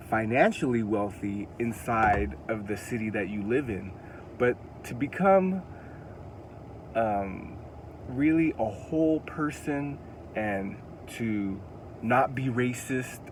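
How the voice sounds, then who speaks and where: A man's voice: medium pitch, a little hiss or hum. A man with a Californian accent giving a casual language lesson, earnest and a little preachy, repeating words for emphasis as he reads a children's alphabet book aloud. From United States. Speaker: language teacher.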